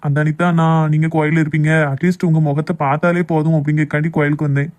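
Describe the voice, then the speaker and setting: Man acting a fast-talking, hurt young Tamil lover. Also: on the high side, level tone, darkish tone, close to an everyday voice. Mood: hurt, sarcastic. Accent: southern Tamil Nadu Tamil. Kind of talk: amateur cartoon love drama voice acting.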